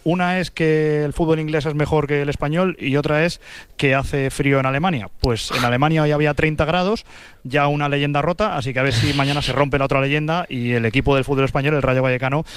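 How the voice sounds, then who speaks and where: Smooth-voiced sports radio reporter. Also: male voice, on the high side, steady tone, fast, dry recording. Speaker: field reporter.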